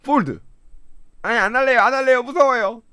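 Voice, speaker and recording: Excitable high-voiced streamer, close and dry. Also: male voice, brisk, clean tone, no room sound. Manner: excitable, swings from mumbling to shouting and laughing. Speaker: gaming streamer. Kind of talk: casual game commentary.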